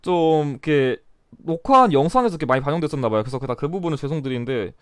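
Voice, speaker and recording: A man's voice: fairly high pitch, expressive, racing, clear, resonant tone, no room sound, clean studio sound. A young man giving a blunt, chatty exam review lecture, still getting over a cold. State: recovering from a cold. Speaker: history exam tutor.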